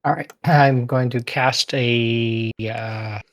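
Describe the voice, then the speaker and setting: A man's voice: mid-range voice, steady tone, takes it slowly, a bit bright, no room sound. A man playing a tabletop game, talking hesitantly while fumbling through his character sheet. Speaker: player. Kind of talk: casual game talk.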